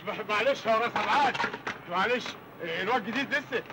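An actor playing a flustered, poor uncle with many children who keeps placating everyone, with an Egyptian accent. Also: male voice, high voice, quick pace, heavy background noise. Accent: Egyptian Arabic.

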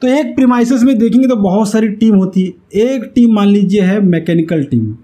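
A man's voice: high voice, lively intonation, normal speed, mellow. A man, explaining step by step like an instructor and often checking that it is understood. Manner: didactic, repeatedly checks understanding. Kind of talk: explanatory whiteboard tutorial. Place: small indoor room with whiteboard. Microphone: lapel mic.

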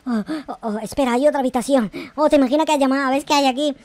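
A naive young boy gamer with a very high voice. He is excitable and whiny, exclaiming melodramatically and repeating words over and over as he roleplays through a video game in slangy speech. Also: quick pace, a little hiss or hum. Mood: curious. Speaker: gaming video creator.

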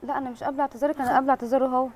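A woman's voice: high-pitched, level tone, very fast, a crowd in the background. A woman with an Egyptian accent, a TV presenter guest, arguing back indignantly and sounding offended. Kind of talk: heated argument.

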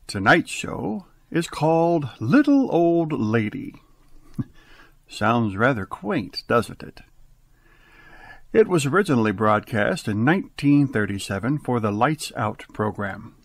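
A man hosts a radio theater program with a theatrical scripted introduction. His delivery is slow and very animated, full of deliberate dramatic pauses, and his voice is somewhat husky. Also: medium pitch, no room sound. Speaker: director and host.

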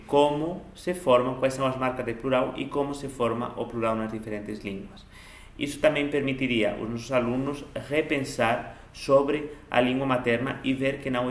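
A man's voice: mid-range voice, fairly bright tone, slight background noise. A man in his thirties giving a didactic, explanatory online language lesson from a small room at home. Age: 30s. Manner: didactic, enunciates examples from several languages. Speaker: language teacher giving a mini-course. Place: small home study, indoors. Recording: roomy, echoey home room sound.

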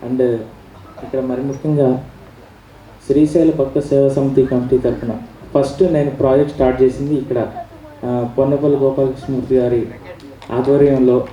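A man gives a soft, hesitant thank-you speech with a very dark, warm tone. His voice echoes through an auditorium, picked up from a distance. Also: medium pitch, little pitch movement, moderate pace, pauses often. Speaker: honored music director. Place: auditorium stage. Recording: echoey hall from far off.

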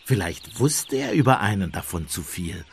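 An actor playing a gentle, doubting village priest turned sleuth in a German radio play, courteous and questioning. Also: male voice, sits low, animated, moderate pace, vocal fry, slightly rough, full character voice. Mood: protesting, earnest.

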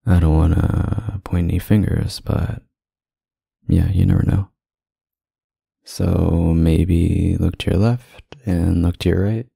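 Male actor for flirty club singer, ASMR roleplay. Deep, heavy fry, hesitant and self-mocking, music behind. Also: dry recording, full character voice. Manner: hesitant, softly teasing, self-deprecating. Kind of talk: ASMR roleplay acting, casual flirty banter. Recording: close dry mic, music behind. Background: music in a staged club scene.

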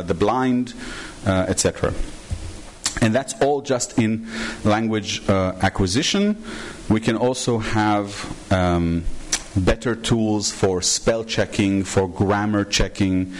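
A man's voice: on the low side, slight background noise. A middle-aged man giving a conference talk from a podium in a large hall, chatty and enthusiastic, often asking the audience "right?". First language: Hebrew. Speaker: conference trainer. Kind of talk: conference presentation.

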